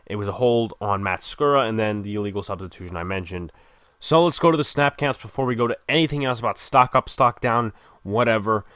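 A man casually recapping a football game, an excitable fan who swears and laughs, moving between calm play-by-play and loud outbursts. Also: lowish voice, brisk, smooth, no echo, clean studio sound. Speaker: sports podcast host.

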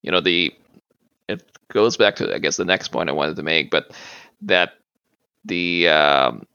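A French-speaking man guests on a podcast as a martial arts practitioner, chatting in a casual interview. His deep voice moves a little slowly, creaky and clean with a sharp edge, though he hesitates often, filling pauses and restarting. The recording is dry and sounds dull.

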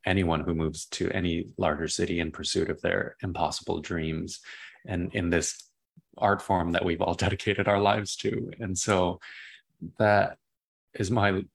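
A young man with a naturally deep voice, a playwright answering interview questions in an expansive, enthusiastic way that drifts into tangents. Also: level tone, measured pace, vocal fry, husky. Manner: expansive, enthusiastic, prone to tangents and repeated words.

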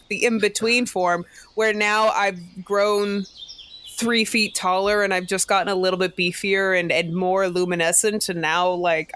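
A woman plays a tabletop game in a playful, giggly way. She describes her character's actions with easy enthusiasm. Her voice has a middle pitch. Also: a bit bright, slight background noise. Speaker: player.

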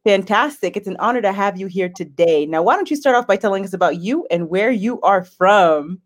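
A woman's voice: medium pitch, expressive, a little fast. A woman hosting a podcast, reading an upbeat scripted intro and asking her guest questions. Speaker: podcast host.

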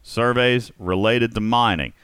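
A man hosting a casual group discussion, asking questions and musing aloud in an animated way. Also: medium pitch, measured pace, clean tone, no room sound. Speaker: podcast host.

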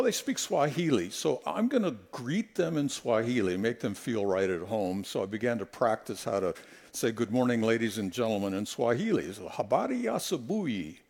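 A middle-aged man preaching a sermon in a church on a headset mic, telling stories and acting out quotes in an animated way. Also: mid-range voice, normal speed, creaky, husky. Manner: animated, storytelling, acts out quotes. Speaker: guest preacher. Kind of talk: sermon with humorous anecdotes. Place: church sanctuary.

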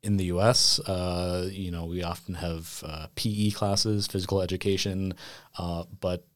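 Deep-voiced young man, thoughtful and rambling. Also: level tone, normal speed. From Iceland. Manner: reflective, many fillers like "you know, I mean". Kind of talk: casual conversation.

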